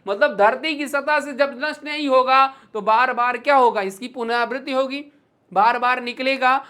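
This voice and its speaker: A woman teacher with an Indian accent and a high, fairly bright voice leads an online exam-prep lesson, mixing Hindi and English and calling her students "beta." She recites English verse slowly and rhythmically.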